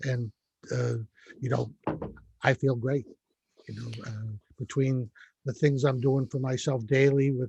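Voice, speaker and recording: Speaking at a fairly slow pace with long, frequent pauses, a man uses a medium-pitched, dark, mellow, somewhat breathy voice in a flat monotone, recorded dry and close with no echo. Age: 60s. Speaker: online challenge host, business founder. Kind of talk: online workshop talk. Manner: halting, many fillers.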